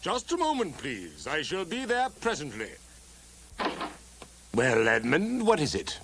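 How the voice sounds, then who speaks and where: A grand, pompous cartoon theatre boss. His voice is gravelly and varies widely in pitch, with formal, stagey diction. There is faint noise in the background. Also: huge pitch swings, measured pace, exaggerated voice. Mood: lofty. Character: pompous, theatrical head of a traveling show troupe. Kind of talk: animated cartoon dialogue.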